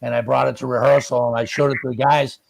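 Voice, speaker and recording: A man's voice: medium pitch, flat delivery, fast talker, vocal fry, rough recording. A man in his fifties or older chatting casually as a musician guest, acting out bits of dialogue. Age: 50s or older. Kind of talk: casual chat.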